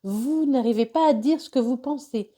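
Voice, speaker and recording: Woman tarot reader, stuffy from a cold, mellow higher voice, halting and repetitive delivery. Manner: hesitant, many fillers and repetitions. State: has a cold. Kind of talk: tarot reading guidance.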